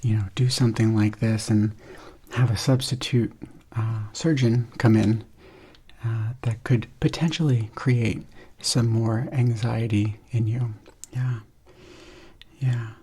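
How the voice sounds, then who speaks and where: Soft, mellow man doing ASMR roleplay. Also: medium pitch, fairly even intonation, breathy edge. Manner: soft-spoken, unhurried, reassuring. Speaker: ASMR performer playing a substitute surgeon.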